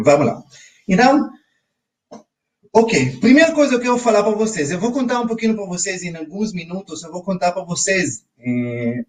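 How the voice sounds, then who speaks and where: A man in his forties with an Israeli accent teaches a live online money class, speaking slightly higher than most men. He keeps turning to his viewers with quick "ok?" check-ins. His voice sits a little back from the microphone. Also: darkish tone, far from the mic. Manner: talks straight to his audience, often checking in with "ok?". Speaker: financial educator. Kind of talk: live webinar lesson.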